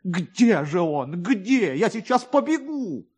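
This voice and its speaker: Man playing an excitable, high-pitched pompous official. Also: slow, breathy edge, full character voice. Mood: frantic. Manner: exclamatory, agitated. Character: excitable, pompous male minor official, the Major. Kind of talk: literary radio storytelling.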